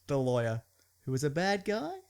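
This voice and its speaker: A man's voice: a little high, wildly swooping pitch, moderate pace, smooth. A man talks through a film in a broad Kiwi accent, loose and colloquial. His delivery is chatty and joking, like a commentary co-host sharing thoughts with a mate. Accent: broad New Zealand. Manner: colloquial, slangy, jokey.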